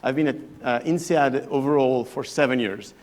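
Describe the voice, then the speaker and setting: A man's voice: medium pitch, normal speed, a little mellow. Hesitant French man giving a talk. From France. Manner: chatty and hesitant, often restarting phrases. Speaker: guest lecturer, professor. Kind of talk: evening talk to a live audience.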